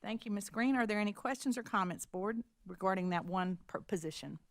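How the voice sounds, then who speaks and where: A woman chairing a school board meeting, brisk and procedural, reading motions and calling votes. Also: medium pitch, dry recording.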